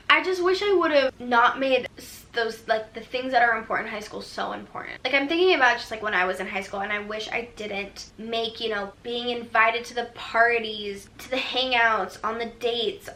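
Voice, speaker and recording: A woman's voice: fairly high pitch, bright, forceful tone. A young woman chatting casually as she answers viewer questions, rambling and full of "like". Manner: chatty and rambling, heavy use of "like". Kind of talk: casual Q&A chat.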